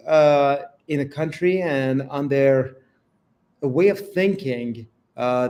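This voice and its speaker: A man's voice: on the high side, darkish tone. A middle-aged man from Iran, a guest author speaking earnestly in an interview and growing emphatic about injustice. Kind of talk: interview conversation.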